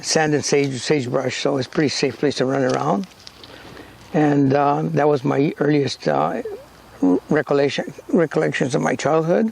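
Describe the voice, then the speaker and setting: Noticeable background noise sits behind a man speaking at a fairly high pitch and a moderate pace. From US Southwest, Arizona, Yaqui Pueblo. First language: Spanish. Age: 80s+. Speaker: interviewee sharing life story. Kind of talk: oral history interview. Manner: halting, many fillers.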